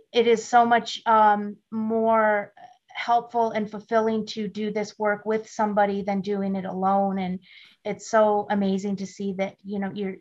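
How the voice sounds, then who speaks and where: A woman interviewing a guest, affirming her warmly and enthusiastically. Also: mid-range voice, muffled recording. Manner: affirming and enthusiastic, with fillers and restarts. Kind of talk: casual interview.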